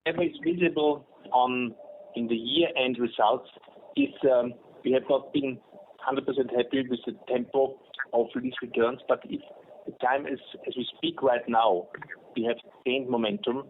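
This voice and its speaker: A man of average pitch talks over a phone-quality line with a little noise. He is an executive on a conference call and builds his answer in halting, measured phrases. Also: fairly even intonation. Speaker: airline executive on an earnings call. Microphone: telephone conference line.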